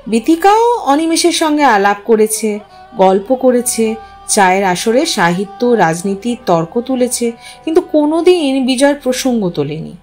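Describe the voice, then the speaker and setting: Female audiobook-style narrator, slightly high pitch, expressive literary storytelling. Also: normal speed, soft background music.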